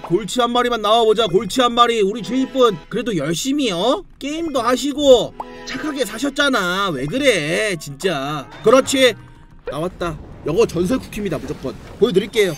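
High-pitched, animated male game streamer. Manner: theatrical, exclamatory, playfully addressing viewers. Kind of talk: excited live game commentary. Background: game music.

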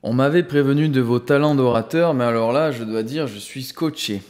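A man's voice: mid-range voice, normal speed, a little mellow, close to an everyday voice. A man voicing a heavyset, menacing man in a black suit who sneers with hidden tension. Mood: sneering. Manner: sneering, tense.

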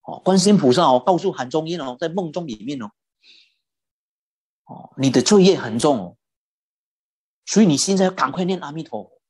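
A Buddhist teacher giving a dharma talk and telling a story in an animated way, stretching out particles like "oh" and "ah". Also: medium pitch, brisk, long pauses, breathy edge.

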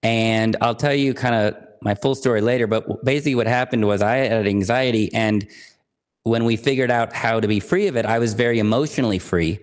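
Man, animated storyteller, podcast guest coach. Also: medium pitch, fairly quick. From Berkeley, California. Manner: animated, joking, lively storyteller with playful asides. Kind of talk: casual interview chat.

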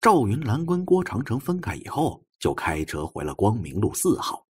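A male audiobook narrator with a husky, low voice reads fiction in a dramatic style. His pitch swings widely as he tells the story in measured, expressive phrases. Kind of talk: dramatic scripted novel narration.

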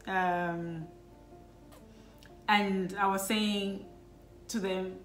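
A woman's voice: mid-range voice, level tone, extremely slow, fairly bright tone. Chatty middle-aged woman, roomy echo. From Lesotho. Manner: chatty, reflective storyteller with frequent fillers. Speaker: vlogger talking with her children. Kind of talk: casual family chat. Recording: roomy echo with faint background music.

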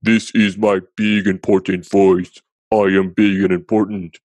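A man playing a big, pompous, self-important character in a loud voice for children. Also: deep voice, little pitch movement, a little slow, no echo.

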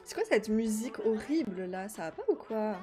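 A woman, chatting casually as she plays a life-sim game, talking to her characters and her viewers and quick to exclaim at what she sees. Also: mid-range voice, animated, warm tone, soft background music. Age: 20s. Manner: quick exclamations of delight and confusion. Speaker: gaming YouTuber. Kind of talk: casual Let's Play commentary.

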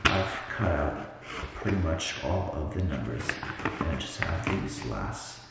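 A man in his twenties talking to his camera in a nervous, hushed way for a night challenge vlog. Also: extremely low pitch, expressive, a little slow, vocal fry. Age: 20s. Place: small rooms indoors at night. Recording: echoey small room with loud noise.

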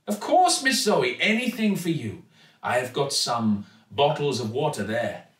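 A man's voice: a little high, very animated, measured pace, a bit bright, pitched above the performer's own voice. A man playing an effusive, overly polite shopkeeper. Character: cheerful flattering male shopkeeper. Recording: echoey, distant mic.

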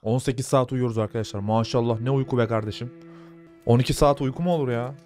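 Casting: young male gamer, casual let's-play talk, chatty and easygoing, mid-pitched voice. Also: fast talker, darkish tone, soft background music. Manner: chatty, talks to viewers and soothes the horse. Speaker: gaming YouTuber.

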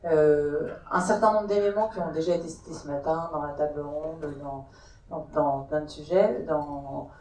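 Low-voiced woman panelist, hesitant. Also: fairly even intonation, normal speed, warm tone. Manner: hesitant, many restarts and fillers. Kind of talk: round-table discussion. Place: large conference hall. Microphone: handheld mic, filmed from far. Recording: echoey hall from far off.

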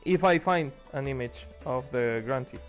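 A man's voice: mid-range voice, normal speed, faint music behind. A man giving casual, sarcastic let's play commentary with some swearing. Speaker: gamer, let's play host.

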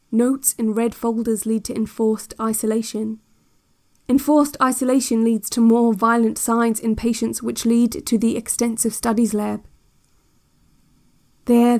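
A woman playing a calm, controlling institute narrator on a relaxation cassette, speaking in a measured and quietly menacing way. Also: fairly high pitch. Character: soft-spoken, controlling female institute narrator on a relaxation tape. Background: music.

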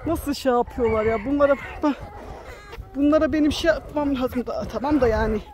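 A woman with a high, bright-sitting voice chatters away outdoors by a chicken coop, fussing over her hens and turning to her viewers. Her talk is exclamatory and affectionate, full of quick asides. Faint hiss and clucking hens sit behind her. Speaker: vlogger and backyard chicken keeper. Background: hens clucking nearby.

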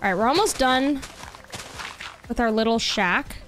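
A woman's voice: a little high, a little slow, a little hiss or hum. A young woman casually chatting with her viewers while playing a game, bubbly and talkative, saying she is losing her voice. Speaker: streamer. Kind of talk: casual gaming livestream chat. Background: soft background music.

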